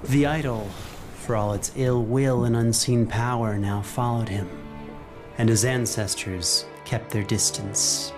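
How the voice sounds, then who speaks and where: Measured male horror podcast narrator over music. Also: mid-range voice, fairly even intonation. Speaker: game master and narrator.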